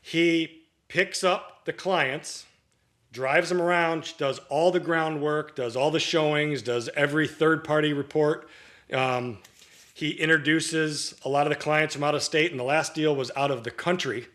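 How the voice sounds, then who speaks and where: A real estate broker appears as a guest on a casual podcast interview, giving a long-winded answer packed with stories and restarts. His voice is a little high and fairly bright, with fairly even intonation and an unhurried pace.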